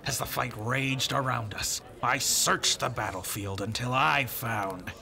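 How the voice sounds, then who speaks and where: An actor in an audio drama playing an old, boastful, honour-bound river errant who speaks in archaic, folksy heroic bluster. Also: male voice, mid-range voice, unhurried, vocal fry, pushed and bright, heavily acted. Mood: dramatic storytelling. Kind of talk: audio drama acting and first-person storytelling. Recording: dramatic music behind the voice.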